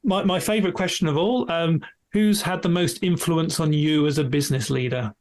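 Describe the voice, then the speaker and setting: Brisk man hosting a podcast. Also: a little high. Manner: brisk, asks set questions. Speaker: podcast host. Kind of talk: podcast interview.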